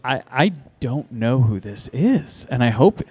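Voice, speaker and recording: A man's voice: medium pitch, very animated, a little slow, darkish tone, slightly rough, dry recording. A man who organizes a convention tells casual stories as a guest on a live podcast, rambling with many restarts and asides. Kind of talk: casual anecdotal storytelling.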